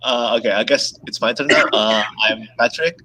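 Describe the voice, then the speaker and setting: A man's voice: medium pitch, normal speed, far from the mic, noisy background. A man whose first language is Indonesian, introducing himself briefly and shyly on a video call. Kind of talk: casual video-call discussion.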